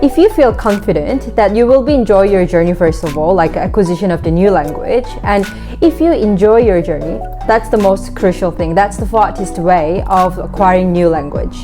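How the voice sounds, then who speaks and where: A woman's voice: medium pitch, normal speed. Korean-accented woman chatting over music. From South Korea. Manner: relaxed, conversational, many "like" fillers. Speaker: vlogger. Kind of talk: casual talking-to-camera tips. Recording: background music.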